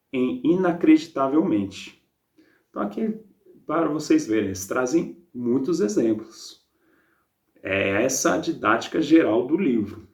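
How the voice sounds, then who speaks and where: A male teacher works through a book review lesson, explaining calmly and reading passages aloud. His voice sits at a middle pitch, and he bridges pauses with a drawn-out filler. The recording has a noticeable roomy echo.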